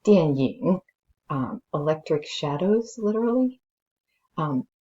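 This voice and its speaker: Deep and mellow, her voice moves slowly with lively intonation, though the audio is dull. The native English speaker teaches informally as a language teacher, thinking aloud as she explains, with a slow dramatic story read-aloud giving way to casual lesson commentary.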